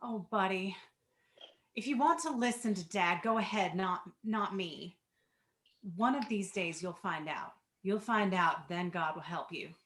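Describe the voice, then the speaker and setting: Young woman rebel played by an actress, flippant, defiant, reckless, medium pitch, drama table read. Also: unhurried, fairly bright tone, lightly acted. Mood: defiant, bitter. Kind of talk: virtual table read of a screenplay.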